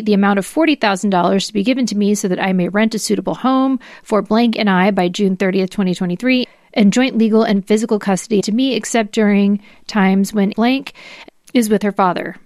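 A woman's voice: mid-range voice, a little mellow, dry recording, studio quality. A woman podcast host reading legal documents aloud in a formal way, with brief asides.

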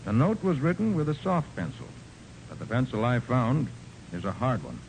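Assured American detective, wry and brisk, very varied delivery, vintage radio drama with faint noise. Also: male voice, mid-range voice, big pitch swings, gravelly, darkish tone. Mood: assured, matter-of-fact. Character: confident, dry-witted male private detective. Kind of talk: 1940s radio acting. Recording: noisy old 1940s radio recording.

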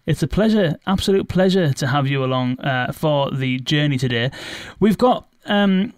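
A man's voice: a little high, expressive, normal speed, no room sound, clean studio sound. A British man hosting a podcast, chatty and playful as he welcomes his guests. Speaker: podcast host. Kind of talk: casual interview chat.

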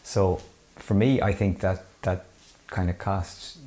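A man's voice: sits low, steady tone, slow pace, mellow. A man with a west of Ireland accent explains things conversationally as an interview guest, often hedging and rephrasing as he goes. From County Mayo, west of Ireland.

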